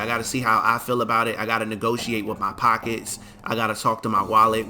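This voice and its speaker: A relaxed man rambles through casual gaming commentary in slangy talk. He sounds sleepy and keeps stifling yawns. His voice is bright and forward, sitting at an ordinary male pitch. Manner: laid-back, chatty, slangy. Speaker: gaming video host.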